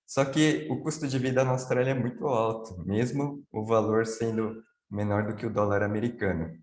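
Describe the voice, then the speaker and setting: A man's voice: fairly low pitch, fairly even intonation, moderate pace, a little mellow, roomy sound. A man on a video call explaining things at length, answering his own questions as he goes. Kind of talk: live online Q&A chat.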